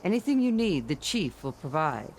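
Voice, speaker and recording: A man acting a reverent tribal warrior in a video game, speaking in a formal, ceremonious, deliberate manner. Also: fairly high pitch, big pitch swings, a little hiss or hum. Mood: awed, welcoming. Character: reverent, stately tribal warrior greeting a champion.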